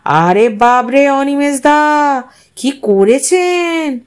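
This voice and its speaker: An exuberant male office colleague, acted by a woman narrator, full of theatrical teasing. The voice sits high and banters freely in an audio story. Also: animated, very slow, full character voice. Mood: amazed teasing.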